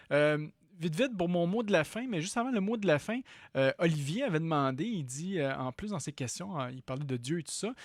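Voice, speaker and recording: A man's voice: medium pitch, no echo. A man with a Québécois accent hosting a podcast, talking casually with many fillers and restarts. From Quebec. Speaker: podcast host.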